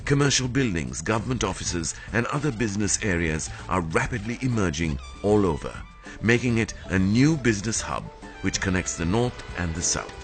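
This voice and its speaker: Low-voiced man narrating a documentary. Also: lively intonation, faint music behind. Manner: formal, measured delivery.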